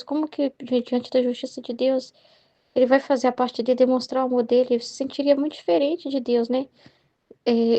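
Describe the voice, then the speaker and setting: A woman's voice: sits high, mellow. A young Brazilian woman leading a Catholic study, talking in a meandering way and tagging her sentences with "né?" and "entendeu?". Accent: Brazilian Portuguese. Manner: meandering, heavy use of "né?" and "entendeu?" tags. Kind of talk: spoken reflection on a devotional book.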